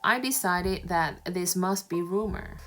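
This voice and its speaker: A woman reading a novel aloud in a calm, measured storytelling manner. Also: on the low side, slight background noise. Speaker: read-aloud narrator. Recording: music playing underneath. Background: background music.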